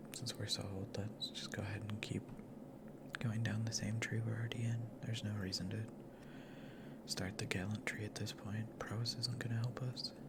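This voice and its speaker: Whispering and soft-spoken, a man talks at a moderate pace with long, frequent pauses over noticeable background noise. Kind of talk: ASMR gaming let's play commentary. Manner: soft-spoken, whispered.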